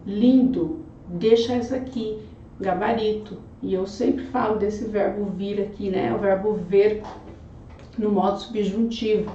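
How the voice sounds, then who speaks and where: A Brazilian Portuguese woman teaching, correcting an exam question by question in a slow, chatty, didactic way. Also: medium pitch, steady tone, dark tone, reverberant, recorded from a distance, lo-fi sound, slight background noise.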